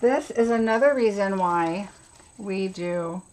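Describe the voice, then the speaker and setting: A woman leads a hands-on craft class in a casual, chatty way. Her voice sits at an ordinary middle pitch for a woman. She talks through each small step as she works, as if half to herself. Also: takes it slowly, a little mellow, rough recording. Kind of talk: casual live craft tutorial.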